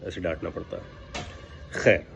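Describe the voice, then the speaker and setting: A man's voice: deep voice, steady tone, moderate pace, gravelly, a bit bright, muffled recording. A man giving informal instructional talk as a voice-over coach, emphatic and admonishing, with rhetorical questions. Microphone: built-in device microphone, no mic attached. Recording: background noise, recorded without external microphone. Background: ambient noise from outside.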